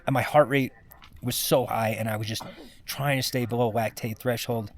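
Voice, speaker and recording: Worn out guy doing a casual climbing vlog, weary and exhausted, rambles along in halting bits. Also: medium pitch, steady tone. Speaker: mountain climber recording a personal expedition vlog. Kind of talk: casual first-person vlog monologue.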